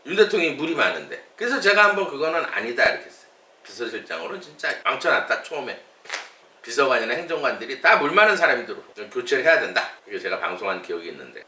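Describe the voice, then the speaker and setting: Fortune-teller man, lively swooping delivery, bright edge, roomy and a bit off-mic; chatty lecture to camera. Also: on the high side, distant mic. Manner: animated, chatty, many fillers, tone rising and dropping. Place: his fortune-telling café. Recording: echoey room, voice a little off-mic.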